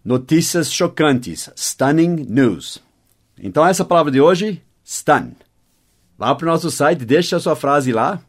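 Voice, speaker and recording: A man hosting a short podcast lesson, explaining English words, spelling them letter by letter and slowing down for the example sentences. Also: on the high side, expressive. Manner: explanatory, checks in with "tá?" and "ok?". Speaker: English teacher and podcast host.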